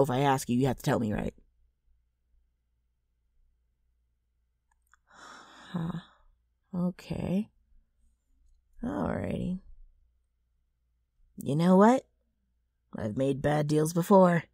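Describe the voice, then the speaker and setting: A woman playing a brash, mischievous ghoul with a rough, gravelly voice and a wheedling, sardonic manner in an ASMR roleplay. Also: low voice, mellow, dry recording, clean studio sound, full character voice. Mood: grudgingly agreeable. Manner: wheedling, sardonic, drawling with abrupt swings.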